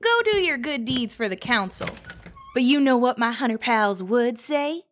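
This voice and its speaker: A woman's voice: on the high side, expressive, normal speed, a little hiss or hum, lightly acted. A woman playing a playful, teasing young twin sister who works as a forest ranger, in an audio drama. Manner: teasing, sardonic.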